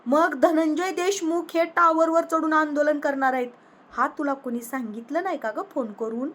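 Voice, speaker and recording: Angry scolding woman vlogger, higher voice. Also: steady tone, normal speed. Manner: rhetorical questions, addresses a rival directly. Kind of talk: political rant to camera.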